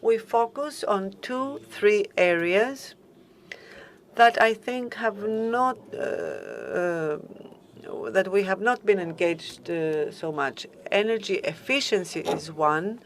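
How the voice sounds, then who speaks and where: A woman speaks on a conference panel at an unhurried, deliberate pace. Her delivery is halting and measured, with frequent pauses while she searches for the right word. Her pitch sits in a middle range for a woman. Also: sing-song, a little hiss or hum. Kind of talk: formal conference remarks.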